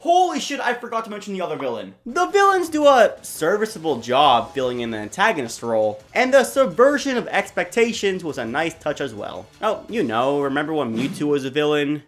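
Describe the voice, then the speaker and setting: A young adult woman hosting a video essay, narrating her opinions in a casual, slangy, emphatic way with mild swearing and dry asides. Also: sits low. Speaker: host of a video essay channel. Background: background music.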